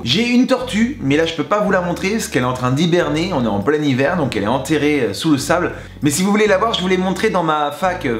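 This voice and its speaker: A man's voice: on the high side, reverberant. A man, a singer and YouTuber, answers fan questions in a playful, chatty vlog style. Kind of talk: casual vlog Q&A.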